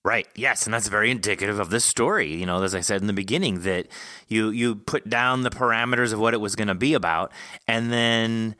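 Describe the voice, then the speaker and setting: A man's voice: fairly low pitch, a little fast, sharp tone, no room sound, clean studio sound. A man hosting a podcast, chatting casually with a guest in an enthusiastic, informal way. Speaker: podcast host interviewing an author. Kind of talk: casual interview chat.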